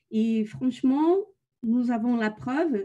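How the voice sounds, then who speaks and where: Her voice is somewhat breathy, and this woman has a dark, mellow tone. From Brazil. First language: Portuguese (speaking French). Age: 40s. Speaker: expat consultant, entrepreneur. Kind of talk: webinar presentation. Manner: hesitant, many fillers.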